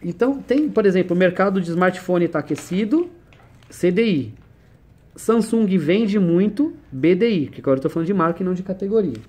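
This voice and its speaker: A man's voice: sits high, lively intonation, a little fast, darkish tone. A man explaining business ideas in a conversational one-on-one lesson, using everyday examples and questions.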